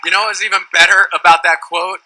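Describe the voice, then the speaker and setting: A man's voice: sits high, steady tone, fast talker, sharp tone, slight background noise, poor audio. A man on a convention panel, teasing his co-panelists in a playful way. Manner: teasing, playful, mimics people. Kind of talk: comedic panel banter.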